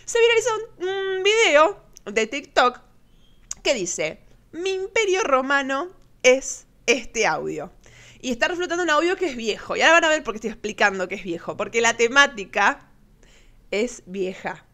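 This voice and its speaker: A woman's voice: high-pitched, sing-song, moderate pace, bright, forceful tone. A woman with an Argentine accent casually commenting on viral clips as host, chatty and sarcastic, often laughing. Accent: Argentine Spanish.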